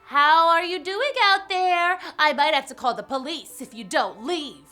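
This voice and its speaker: Little pig, voiced by a female storyteller: brisk, clever, cheeky, high pitch, fairy-tale read. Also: bright, forceful tone, soft background music.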